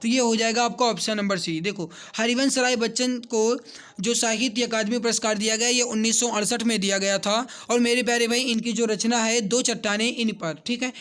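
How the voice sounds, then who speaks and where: A man with a strikingly high-pitched voice teaches an exam preparation class. He goes through questions step by step, restating each answer for emphasis. He speaks straight to his students in a familiar, brotherly way. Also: steady tone, normal speed, fairly bright tone. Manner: addresses viewers directly as brothers and guys. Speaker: online exam coaching teacher. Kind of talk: exam question walkthrough lesson.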